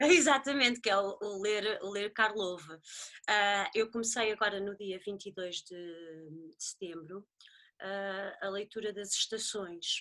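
Very slowly, a woman speaks in a medium pitch with a bright, sharp tone, ordinary pitch variation and big swings in loudness. The recording is very clean, with a silent background. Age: 30s. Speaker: book blogger. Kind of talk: casual chat. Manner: halting.

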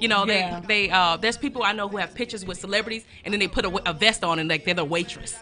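A woman with an American accent talks at a very fast pace, with hardly any pauses, a medium pitch and ordinary pitch variation. Noticeable background noise is present. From Houston, Texas. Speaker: comedian, actor, producer. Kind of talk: casual interview chat.

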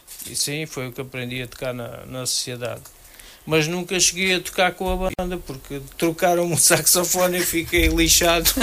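Noticeable background noise sits under a man's high-pitched voice. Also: ordinary pitch variation, moderate pace, big swings in loudness. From Portugal, Pinhal Novo (Setúbal district). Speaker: actor and musician. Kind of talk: radio interview. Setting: radio studio.

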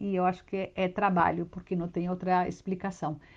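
Speaking in a Spanish accent, a woman keeps a moderate pace. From Colombia. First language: Spanish (speaking Portuguese). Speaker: actress. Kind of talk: interview.

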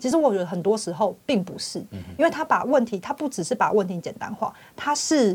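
A woman with an unremarkable speaking voice talks at a moderate pace and medium pitch, her intonation lively. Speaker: legislative candidate. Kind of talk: interview.

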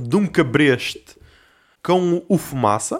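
A man with a high voice speaks at a very slow pace, his pitch swinging very widely. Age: 20s. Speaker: podcast host. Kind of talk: casual monologue. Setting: at home. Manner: animated.

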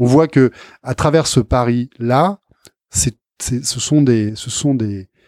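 At a very slow pace, a man speaks in a dry, close sound with no echo. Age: 40s. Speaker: journalist and think tank director. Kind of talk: interview. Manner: halting, frequent repetitions.

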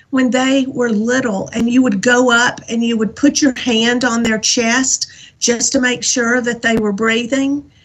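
Speaking fairly slowly with an American accent and fairly even intonation, the voice comes through noticeable background noise. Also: woman. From US South. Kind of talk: radio interview, personal testimony.

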